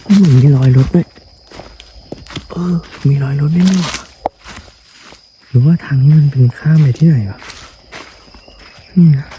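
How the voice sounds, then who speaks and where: A young man vlogging outdoors in a forest, talking casually to his viewers, sometimes calling out loudly and sometimes speaking in a hushed, gentle way. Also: on the high side, measured pace, long pauses, background noise. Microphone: handheld camera mic.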